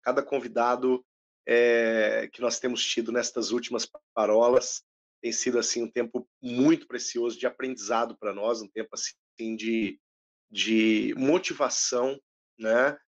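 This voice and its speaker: A man's voice: medium pitch, fairly even intonation, a little slow. A man co-hosting a Christian podcast, effusive and full of religious exclamations. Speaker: podcast co-host. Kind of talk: casual chat.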